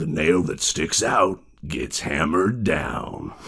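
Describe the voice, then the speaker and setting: Using a put-on character voice, a man speaks at a fairly slow pace with very deep, low pitch. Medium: game stream. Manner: dry, measured, sardonic.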